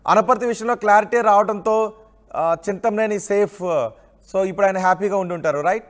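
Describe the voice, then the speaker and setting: A man's voice: high-pitched, fairly quick. A man anchoring a live news bulletin and putting questions to a field reporter.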